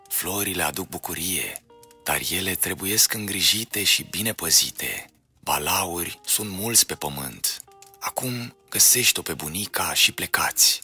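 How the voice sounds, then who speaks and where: A man's voice: sits low, bright, forceful tone, husky, heavily acted. A man voicing a solemn, magical woman in white who gives guidance in a storybook.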